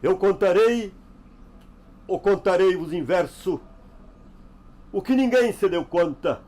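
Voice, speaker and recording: Man, high-pitched, declaiming verse. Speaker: poet reciting verse. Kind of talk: recited gaucho verse.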